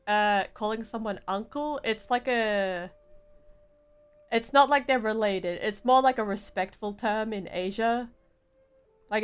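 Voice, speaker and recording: A woman's voice: medium pitch, smooth. A woman livestreamer giving chatty, giggly, casual reaction commentary while playing a story game.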